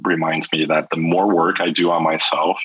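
A young man from China speaks candidly as an interview guest, voice very low and forward with a husky grain. He talks haltingly, restarting sentences and leaning on fillers. The sound is close and dry. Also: flat delivery, fairly bright tone, no echo, poor audio.

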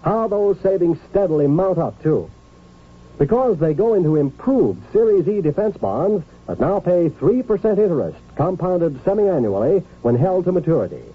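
A male vintage radio announcer with a slightly rough, lively, swinging voice. He sells emphatically and folksily, as in a 1950s commercial. The sound is very narrow and tinny. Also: sits high, normal speed. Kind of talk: 1950s radio advertisement read.

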